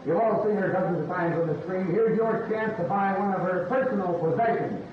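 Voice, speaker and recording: An actor playing a glib auctioneer who keeps up a steady salesman's patter, in a 1950s radio drama. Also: high-pitched, brisk, a little hiss or hum, lightly acted. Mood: selling. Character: loud, glib male auctioneer. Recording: distant, roomy, muffled old radio recording. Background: crowd murmur.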